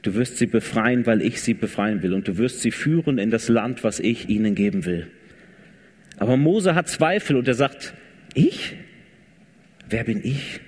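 Retelling scripture with drama, a male preacher keeps his sermon casual and talky, his mid-range voice animated, a little mellow, and at ordinary speed. The congregation can be heard amid the long reverb of a big hall.

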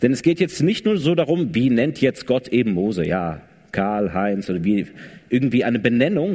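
A man's voice: medium pitch, darkish tone, slightly rough. A man preaching a sermon in a casual, conversational way, retelling scripture dramatically. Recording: long reverb of a large hall. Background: congregation.

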